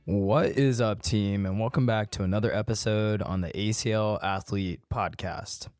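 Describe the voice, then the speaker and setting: A man hosting his own podcast and talking casually to listeners, his voice a little hoarse from illness. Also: on the low side, fairly even intonation, moderate pace, a little mellow, soft background music. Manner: conversational, addresses listeners directly. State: voice worn from illness, slightly hoarse. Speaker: podcast host and physical therapist. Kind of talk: solo podcast talk.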